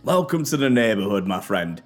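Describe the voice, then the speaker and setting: A man's voice: lowish voice, big pitch swings, soft background music. Man doing a cocky working bloke. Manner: cocky, boisterous, quick to anger. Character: arrogant swaggering male British laborer, short-tempered.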